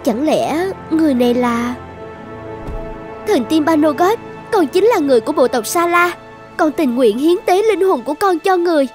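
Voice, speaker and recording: A woman playing a devout, self-sacrificing young tribal maiden in an animated folktale, earnest and reverent. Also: high-pitched, moderate pace, music in the background. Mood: humble wonder. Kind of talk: dubbed animated folktale acting.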